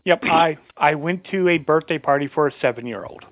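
Hoarse man hosting over a tinny line. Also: on the high side, brisk, no room sound. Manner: chatty, rambling with restarts. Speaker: podcast host. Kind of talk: casual talk show hosting.

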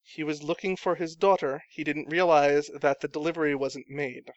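A man voicing a calm, businesslike male go-between in a tabletop game, polite and matter-of-fact. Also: a little high, normal speed, lo-fi sound, noisy background, lightly acted.

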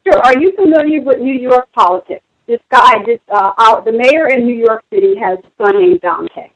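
A woman's voice: on the high side, moderate pace, no echo, poor audio. A woman calling in to a radio show, asking direct, probing questions. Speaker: caller. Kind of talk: call-in question.

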